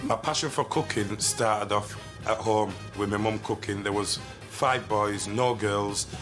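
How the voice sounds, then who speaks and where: A man's voice: on the low side, unhurried. A man who runs a restaurant, reminiscing in an unscripted interview. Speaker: restaurant chef and owner. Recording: guitar music clearly behind.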